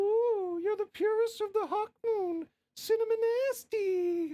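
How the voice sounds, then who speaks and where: In a put-on character voice pitched extremely high, the speaker talks at a fairly slow pace. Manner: flirtatious, sing-song.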